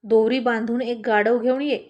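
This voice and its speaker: A woman's voice: fairly high pitch, steady tone, normal speed, a little mellow, highs cut off, lightly acted. A woman reading the lines of a smug, scheming young male prankster. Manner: smug, sly.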